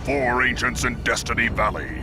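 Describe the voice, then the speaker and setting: An actor playing a gloating, power-hungry villain in an animated cartoon, taunting and grandiose. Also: male voice, medium pitch, normal speed, natural voice. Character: menacing male lava overlord villain, gloating and power-hungry. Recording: loud music under the voice.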